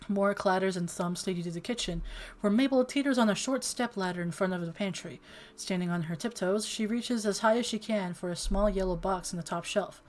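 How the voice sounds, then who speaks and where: A woman with a mid-range voice is livestreaming a dating sim. She moves between reading the game text aloud and chatting with viewers. Her delivery is expressive and flustered, with a playful sense of drama. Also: mid-range voice. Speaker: streamer playing a dating sim.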